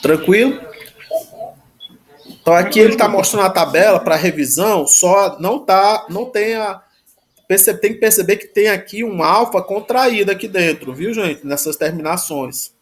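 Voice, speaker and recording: A man teaching a Greek grammar lesson, talking haltingly with many restarts and a constant "né?" after each phrase. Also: high-pitched. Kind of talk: live online grammar lesson.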